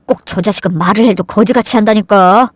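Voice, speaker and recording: A woman's voice: mid-range voice, brisk, no room sound, lightly acted. Woman voicing bullying older brother, hot-tempered, scolding, dry close sound. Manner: shouting, scolding. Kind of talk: dramatized story reading.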